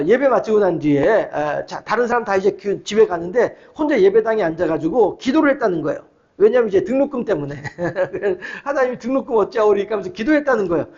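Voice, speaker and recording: High-voiced Korean pastor preaching. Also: male voice, muffled recording. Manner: conversational preaching with frequent "예" and questions to the congregation. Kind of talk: sermon.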